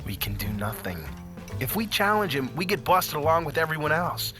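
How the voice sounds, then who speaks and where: Man playing an animated, hot-headed young racer. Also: a little high, brisk. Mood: exasperated. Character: hot-headed, anxious young male extreme-sports racer. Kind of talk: audio drama dialogue. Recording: music behind the voice.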